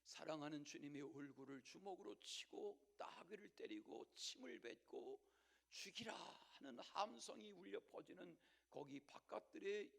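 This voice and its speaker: A male pastor delivering a Sunday sermon at a church service. He tells the story dramatically, swinging between loud declarations and hushed whispers, and makes repeated direct appeals to the congregation. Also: high voice, lively intonation, a little slow, vocal fry.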